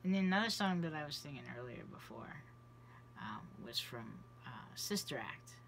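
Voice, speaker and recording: Sitting indoors in a small, cluttered bedroom, this vlogger talks casually to a camera close at face level, frequently fading to almost a whisper. He is a trans man in his thirties, and testosterone is changing his voice. It is medium-pitched, expressive and creaky at a moderate pace, and background noise can be heard.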